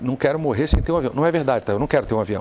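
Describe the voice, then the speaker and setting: Lively intonation marks this man's voice, which sits at a medium pitch. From Rio de Janeiro, Brazil. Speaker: travel enthusiast, former consultant. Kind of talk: talk show interview.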